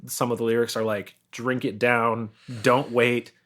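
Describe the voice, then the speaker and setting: An American man talks casually as a podcast guest in a bright, punchy voice of middling pitch. His manner is wry and anecdotal. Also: level tone, unhurried.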